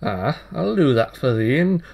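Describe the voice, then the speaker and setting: Brief: meek, obliging tailor, placating and a little higher, played by a man. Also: big pitch swings, unhurried, creaky, darkish tone, husky, exaggerated voice.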